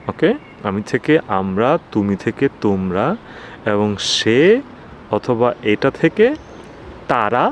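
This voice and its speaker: A man's voice: mid-range voice, slight background noise. Patient man teaching German pronouns. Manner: patient, repeats each word slowly, frequent "okay?" checks. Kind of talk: explanatory lesson with a chart.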